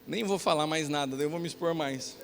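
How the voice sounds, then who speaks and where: A Brazilian pastor preaching a sermon, telling a self-mocking story in an animated way. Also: male voice, fairly high pitch, a little fast, creaky. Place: church hall. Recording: long reverb of a church hall.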